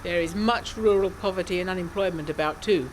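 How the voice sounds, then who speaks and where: A woman's voice: fairly low pitch, a little fast, slight background noise, lightly acted, poor audio. A woman voicing a gossipy, plain-spoken stable man with a knowing manner in a gothic audio drama. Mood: disparaging.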